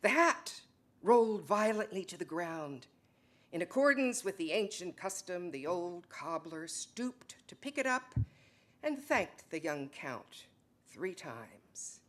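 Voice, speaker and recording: A woman's voice: lowish voice, very animated, slow pace, a bit bright, heavily acted. A woman playing a sorrowful old male Jewish ancestor, telling stories solemnly in a dramatic monologue. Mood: grave, hushed. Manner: solemn, incantatory, rising repetition.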